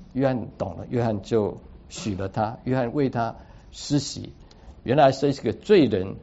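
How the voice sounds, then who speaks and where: A man's voice: lowish voice, creaky, warm tone, slight background noise. A man preaching a sermon, teaching through a Bible passage in an explanatory way and dropping English words into his speech. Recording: dull lo-fi recording.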